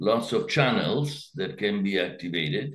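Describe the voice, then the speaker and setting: A man with an Italian accent speaks fairly slowly, with audible room echo over a quiet background. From Florence, Italy; Tuscany, Italy. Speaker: academy vice president and professor; professor. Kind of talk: panel presentation. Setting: video call. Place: home room. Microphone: webcam.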